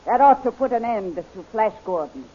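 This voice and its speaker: A dull, noisy 1930s radio recording of a woman acting a scornful witch queen. Her high voice swings widely as she issues theatrical commands with a hot temper. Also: expressive, moderate pace, close to an everyday voice. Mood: cold, commanding.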